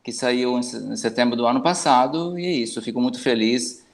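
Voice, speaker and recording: A man's voice: mid-range voice, fairly quick, gravelly. A man from Italy, a musician and professor, speaking reflectively on a live call. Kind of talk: casual interview talk.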